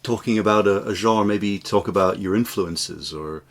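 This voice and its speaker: A man's voice: on the low side, normal speed. A man co-hosting a podcast, discussing music casually in a tentative, diplomatic way. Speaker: podcast co-host reviewer.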